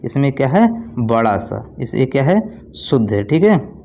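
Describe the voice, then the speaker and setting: A man's voice: medium pitch, big pitch swings, moderate pace, mellow, a little hiss or hum. A young man tutoring exam students, explaining spelling by asking questions and answering them himself. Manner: repetitive call-and-response, asks then answers himself. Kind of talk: online exam-prep lesson.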